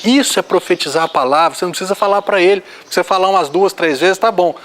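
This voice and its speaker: Man, preacher, earnest sermon, high voice, faint background noise. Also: fast talker, fairly bright tone. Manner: earnest, exhorting, reads scripture aloud.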